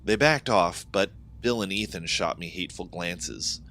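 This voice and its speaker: A man's voice: deep voice, unhurried, a bit bright, a little hiss or hum. A man reading a scripted horror story as a dramatic first-person narrator.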